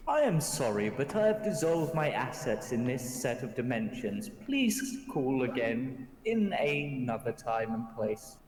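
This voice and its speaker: A man's voice: mid-range voice, big pitch swings, measured pace, hardly any pauses, a little mellow, roomy sound, in a large hall, a little hiss or hum, low-quality recording. A man voicing an eldritch horror, an eerie disembodied spirit speaking in formal, dismissive announcements in a tabletop game. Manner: eldritch horror, formal recorded-message delivery.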